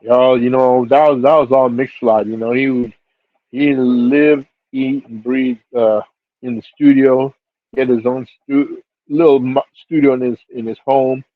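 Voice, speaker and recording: A man's voice: medium pitch, steady tone, measured pace, no room sound. A middle-aged man from Seattle, talking easygoing and loose, with lots of filler words. He comes through a thin, phone-like line with a dry, close sound. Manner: laid-back, many fillers, voice jumps up for quoted reactions. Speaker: hip-hop DJ and label figure telling his story. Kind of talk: casual storytelling interview.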